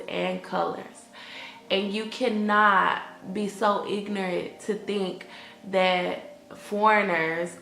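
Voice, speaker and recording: Gravelly African American woman in a candid vlog. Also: mid-range voice, fairly bright tone. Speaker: English teacher vlogging. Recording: roomy echo, faint music behind.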